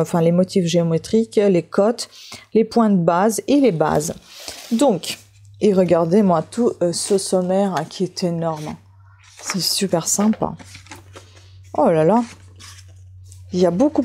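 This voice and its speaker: A woman with a Russian accent, a native Russian speaker, chatting casually and a little haltingly as she thinks aloud for a craft vlog. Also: medium pitch, warm tone. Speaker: craft vlogger. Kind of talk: casual unboxing chat while leafing through a book.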